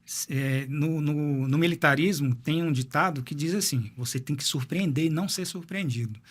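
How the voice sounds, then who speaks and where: A man's voice: fairly high pitch, normal speed. A man, a cardiologist guest explaining heart health in an interview, often repeating words as he thinks. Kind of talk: medical interview.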